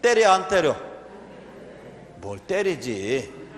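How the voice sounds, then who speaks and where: A man, a Catholic priest, giving a retreat sermon as a dramatic story that swings between shouting and whispering. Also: fairly high pitch, very animated, very slow. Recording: echoey hall with long reverb.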